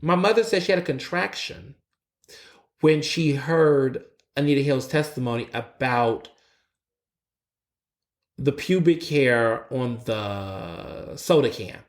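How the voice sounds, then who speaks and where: A man's voice: mid-range voice, slow pace. A man in his twenties hosting a solo opinion podcast, blunt and sassy, often restarting his sentences, tired after a long late night. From United States. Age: 20s. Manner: animated, sassy and blunt, with frequent restarts and stammers. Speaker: podcast host.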